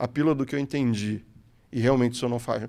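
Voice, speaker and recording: Very clean recording, silent background. A man talks at a fairly quick pace. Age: 40s. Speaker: chef, gluten-free baker. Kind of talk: podcast interview, casual conversation. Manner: animated.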